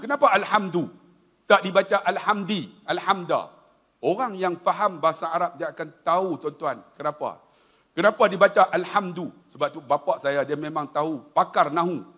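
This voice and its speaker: A middle-aged man with a Malaysian Malay accent giving a humorous religious lecture, telling stories and often addressing his audience directly. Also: on the high side. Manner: animated storytelling, addresses audience as tuan-tuan. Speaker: preacher.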